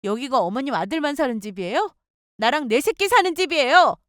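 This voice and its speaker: Woman doing a fed-up new mom yelling at her in-laws, high and swinging all over, super dry sound. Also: expressive, a little fast, no room sound. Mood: furious. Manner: sharp, scolding, heated. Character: furious young new mother, woman. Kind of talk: dramatized radio story.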